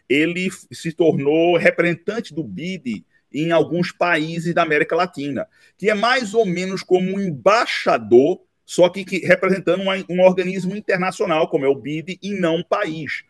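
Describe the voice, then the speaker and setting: A man, recounting his life story in an interview, unhurried and dotted with tag questions. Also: a little high, no room sound. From Recife, Brazil. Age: 50s. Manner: unhurried, with frequent "né" tags and restarts. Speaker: interview guest, law professor. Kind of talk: relaxed autobiographical interview.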